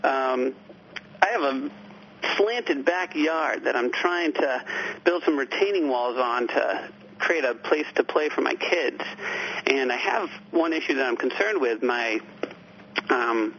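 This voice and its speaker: A man's voice: medium pitch, takes it slowly, a bit bright. A man from Cape Cod calling in to a radio show, asking his question hesitantly with fillers and restarts. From Cape Cod, Massachusetts. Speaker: caller. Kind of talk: call-in question. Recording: dull lo-fi call-in audio, faint noise.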